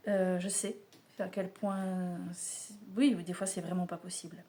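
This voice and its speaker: A woman gives a casual spiritual oracle card reading to camera, chatty and familiar as she speaks straight to the listener. Her voice is fairly low, warm, unhurried and flat, picked up by the camera mic in mirrored footage.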